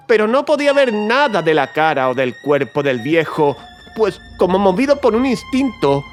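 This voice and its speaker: An actor playing a mad, gloating murderer who confesses in a theatrical horror audiobook, swinging between hushed and agitated delivery. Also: male voice, sits high. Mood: tense, mounting fury. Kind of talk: dramatic horror audiobook narration.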